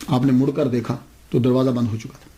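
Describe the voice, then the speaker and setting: A man's voice: mid-range voice, fairly even intonation, mellow. A man giving a religious lecture as a story, repeating key phrases and answering his own questions.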